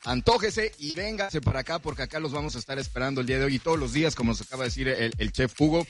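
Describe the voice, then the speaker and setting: A man's voice: medium pitch, expressive, very fast, slight background noise. A man with a Mexican Spanish accent, a radio host doing upbeat promotional patter on a live broadcast from a hotel restaurant. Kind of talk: live radio remote hosting.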